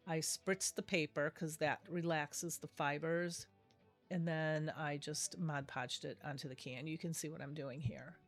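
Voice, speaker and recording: A middle-aged woman, nasal from a cold, chatting her way through a craft tutorial and often correcting herself. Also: deep voice. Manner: chatty, rambling, self-correcting. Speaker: craft video host. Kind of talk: casual craft tutorial voice-over.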